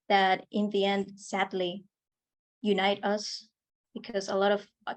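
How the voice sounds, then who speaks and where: A woman speaks at a slow pace on a video call, offering personal testimony. She is halting and often searches for the next word, at a middling pitch. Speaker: audience participant in an online discussion.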